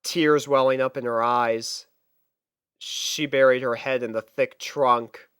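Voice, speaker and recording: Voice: mid-range voice, fairly even intonation, slow pace, a bit bright, clean tone, no echo, clean studio sound. A storyteller reading scripted fiction narration. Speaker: storyteller, fan fiction reader.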